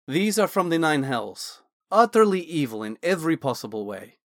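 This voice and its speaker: A man voicing a curious, blithe male dragonborn scholar-mage who lectures in a brisk, lightly excited way. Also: fairly high pitch, dry recording, clean studio sound, voice pushed up. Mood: matter-of-fact.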